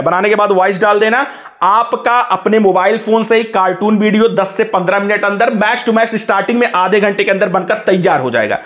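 A man with a fairly high voice talks quickly through a phone app tutorial. He narrates over a screen recording and guides viewers step by step, with frequent calls to look. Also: fairly bright tone. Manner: instructive, keeps saying "look" to guide viewers. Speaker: tech tutorial host.

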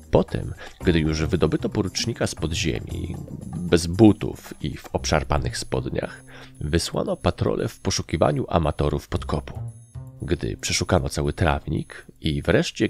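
Deep gravelly male storyteller. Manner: lively storytelling, shifts into raised voices for characters. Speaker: audiobook narrator. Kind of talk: dramatic audiobook reading with acted voices.

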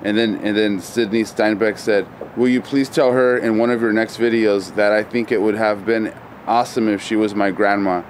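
Off-camera male host, playful and teasing, lowish voice, faint outdoor noise. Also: fairly even intonation, normal speed. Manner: teasing, laughs often, reads comments aloud. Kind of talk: casual teasing chat. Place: backyard, outdoors.

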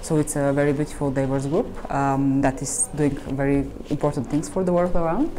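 A young woman, a program coordinator, explaining a training program in a measured way with frequent pauses. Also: low-pitched, fairly even intonation, dark tone, slight background noise, low-quality recording. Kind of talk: documentary interview. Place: plain indoor room.

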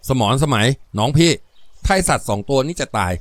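A man voicing a gentle, charming elder brother in a deep, soft voice. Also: animated, a little fast, dry recording, natural voice. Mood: tender.

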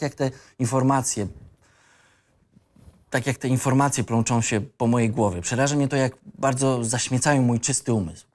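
A rebellious young male student acted by a man with a medium-pitched voice. He sounds ironic and insolent, yet inward-looking, as if in a radio play about a disillusioned youth. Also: a little mellow, natural voice. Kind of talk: script reading for audio drama.

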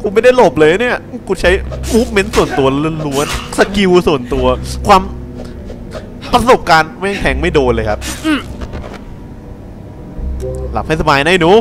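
A young man jokes his way through a horror game, crude and cheeky, talking straight at the characters. His pitch leaps around a lot and sits a bit high for a man. Game music plays clearly behind him. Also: very animated, measured pace, long pauses. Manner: crude, joking, talks to the game. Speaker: gameplay commentator. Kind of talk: casual horror game commentary.

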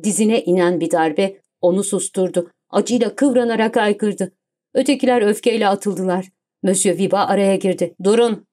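A woman reading an audiobook in steady scripted narration. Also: medium pitch, normal speed.

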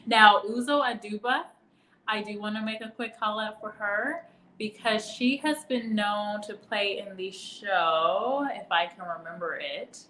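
A woman's voice: mid-range voice, measured pace, pushed and bright, echoey room, slight background noise, poor audio. Chatty woman hosting live trivia. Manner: chatty, greets viewers by name, laughs often. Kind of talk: casual live-stream quiz hosting.

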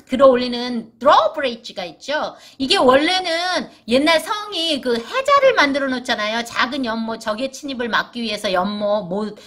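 A middle-aged woman giving a casual vocabulary lesson for parents, repeating each English word slowly and with emphasis. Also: sits high, expressive, a bit bright.

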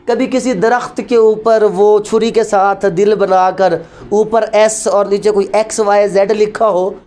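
High-pitched Pakistani man lecturing on law. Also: darkish tone. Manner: didactic, asks and answers own questions. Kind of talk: classroom lecture mixing in English terms.

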